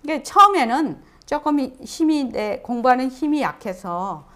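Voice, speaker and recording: A woman's voice: high-pitched, expressive, unhurried, fairly bright tone. A woman giving a meditation dharma lecture, posing questions to her listeners and answering them herself, repeating key phrases for emphasis. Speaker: Buddhist meditation teacher.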